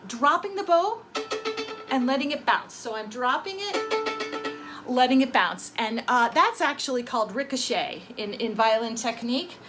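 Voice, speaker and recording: Slow, lilting woman teaching violin. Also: high-pitched, low-quality recording. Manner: gentle, encouraging, slow and clear explaining; storytelling with rising dramatic emphasis. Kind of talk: violin lesson with a told story. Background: violin sound effects between phrases.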